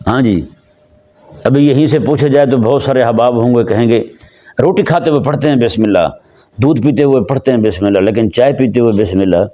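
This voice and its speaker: A man from Pakistan giving a sermon, talking conversationally to a seated gathering, asking them questions and slowing down to recite scripture. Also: mid-range voice, warm tone. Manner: conversational, asks the audience questions; slows down for Quranic recitation. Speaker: Islamic preacher.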